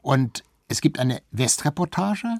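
A man of medium pitch talks as an expert guest. His voice is somewhat husky and recorded dry. He explains in an anecdotal manner, repeating words for emphasis. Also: expressive, a little slow, a little mellow, dry recording. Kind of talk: explanatory interview talk on history.

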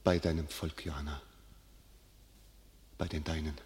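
An actor playing a devoted, anxious comrade in a classic radio play, speaking with hushed emotion. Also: male voice, rumbling low, flat delivery, a little slow, slightly rough, full character voice. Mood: tender awe. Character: devoted comrade anxiously watching over fallen heroine.

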